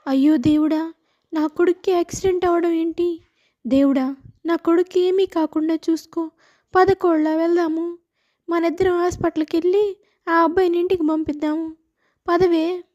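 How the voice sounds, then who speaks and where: A woman's voice: very high-pitched, steady tone, normal speed, long pauses, a little mellow, muffled recording. Woman doing a scolding mother-in-law Kantamma. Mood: anxious. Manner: scolding, complaining. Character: anxious bossy mother-in-law.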